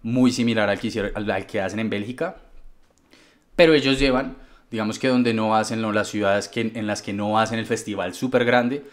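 A man with a Colombian accent, a DJ guest telling stories in a casual, relaxed interview with many fillers. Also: lowish voice, fairly quick. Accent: Colombian Spanish. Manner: relaxed storytelling with frequent fillers.

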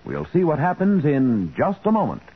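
A man's voice: a little high, wildly swooping pitch, normal speed. A man announcing and narrating in a dramatic 1940s radio style. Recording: muffled old radio broadcast. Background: loud organ music.

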